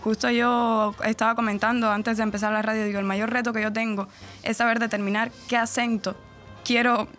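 Guesting on a relaxed radio interview, this woman from Camagüey, Cuba, herself a radio presenter, talks at length in a central-eastern Cuban accent. Her voice is on the high side, level, brisk and fairly bright, with faint music behind. She's chatty, explains a lot and laughs readily.

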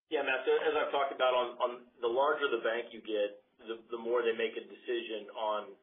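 A male company executive answering analyst questions on an earnings call, haltingly repeating words as he goes. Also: mid-range voice, little pitch movement. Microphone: conference call line. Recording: muffled phone-band conference call.

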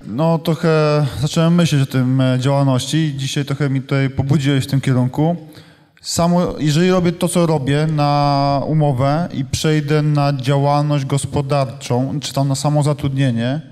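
A man's voice: fairly high pitch, steady tone, normal speed, a little mellow. A man casually putting a question from the audience, restarting words as he goes. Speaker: audience member asking a question. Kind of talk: casual spoken question and discussion. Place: event hall at a live meetup. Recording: live hall with long reverb.

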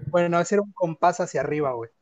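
A man's voice: fairly high pitch, quick pace. A man with a Mexican accent chatting casually and telling personal anecdotes in informal, slangy speech.

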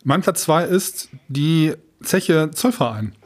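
A man's voice: on the high side, expressive, takes it slowly. Chatty man in a casual podcast. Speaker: podcast co-host.

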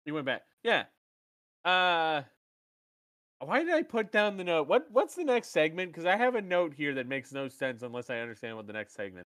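A man's voice: on the high side, sing-song, moderate pace, a bit bright. A man co-hosting a casual wrestling recap podcast, bantering loosely, laughing often and swearing freely. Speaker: podcast co-host.

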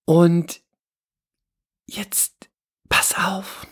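A woman actress in casual chat, excitable and dramatic, quick to laugh. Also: lowish voice, husky, whispered.

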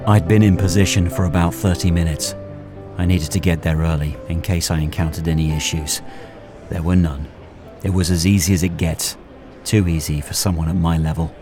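An actor playing a calm, guarded professional hitman in an audio drama, speaking in a terse, controlled way. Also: sits low, a little fast, music in the background, close to an everyday voice. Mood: cool, detached. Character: calm, guarded professional hitman narrating his own story. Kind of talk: audio drama acting and first-person narration.

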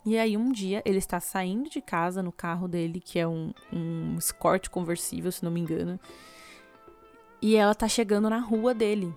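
A woman's voice: fairly low pitch, moderate pace, a little mellow, soft background music. A woman retelling a film plot in a chatty, conversational way, with frequent asides to her viewers. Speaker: video host recapping a film. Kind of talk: casual plot recap.

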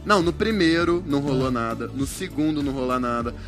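A man's voice: mid-range voice, a little fast. A man in a casual chat, telling a story expressively and acting out what he said. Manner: expressive storyteller, acts out his own outbursts. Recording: faint music underneath. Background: faint background music.

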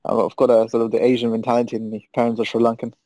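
A man's voice: mid-range voice, monotone, very fast, mellow, no echo. A man in his thirties from Germany, a trading podcast guest who talks in an upbeat, rambling way and laughs often. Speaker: guest, trader. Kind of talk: casual interview.

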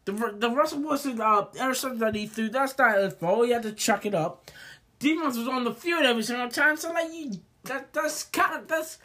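A man's voice: very high-pitched, a little fast, bright, forceful tone. A man arguing in a heated sports debate, stammering and repeating himself, saying he is losing his voice.

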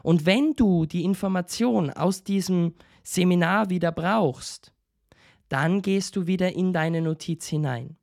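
Ein Mann mit österreichischem Akzent hält als Motivationsredner einen Podcast-Monolog, erzählt eine Geschichte und spricht den Hörer direkt und locker an. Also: male voice, high-pitched, a little slow, gravelly, a little mellow. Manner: direct, addresses listener as du, conversational. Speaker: motivational speaker, podcast host.

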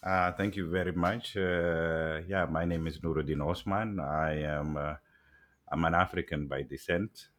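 A middle-aged agriculture executive with a very deep voice and a Somali accent talks casually as an interview guest. His tone is steady and fairly bright, but his speech is halting, full of fillers and restarts.

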